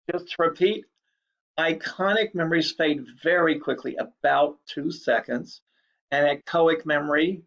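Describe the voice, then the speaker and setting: A man's voice: a little high, gravelly, fairly bright tone. A man giving a recorded lecture in a chatty, explanatory way, repeating key points. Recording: dull lo-fi recording.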